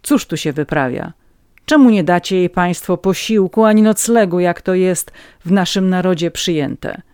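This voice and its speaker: A reader voicing a calm, dignified gentleman who speaks firmly and courteously, in an audiobook reading. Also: medium pitch, moderate pace, clear, resonant tone, dry recording, studio quality, voice pushed up, natural voice.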